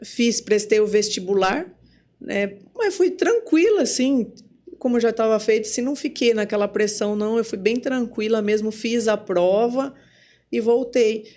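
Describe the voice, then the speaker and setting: A woman with a Brazilian Portuguese accent, a psychologist speaking as a podcast guest and telling her story in a casual, lively way, acting out remembered conversations. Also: a little high, normal speed. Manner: lively storyteller who acts out remembered dialogue. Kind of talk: casual spoken testimony.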